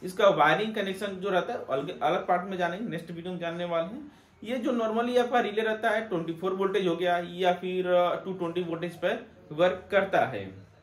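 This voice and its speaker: A man's voice: high-pitched, brisk, roomy sound. A young man, host of a technician channel, explaining to the camera and asking himself rhetorical questions as he teaches. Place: indoor room with plain backdrop.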